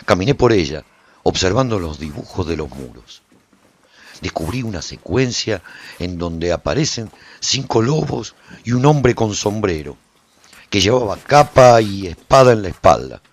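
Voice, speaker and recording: An actor playing a weary swordsman who narrates his post-apocalyptic adventure in a radio drama, husky and theatrical. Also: fairly low pitch, animated, a little slow. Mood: grave, tense. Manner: intense, theatrical. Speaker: narrator and protagonist.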